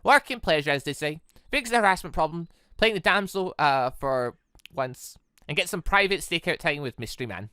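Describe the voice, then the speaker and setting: Bold young game heroine acted by a narrator: playful tease, direct, animated, dry close sound. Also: mid-range voice, normal speed, clean tone, no room sound. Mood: teasing, playful. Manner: brash, teasing, direct. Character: bold, teasing young woman, playful best friend.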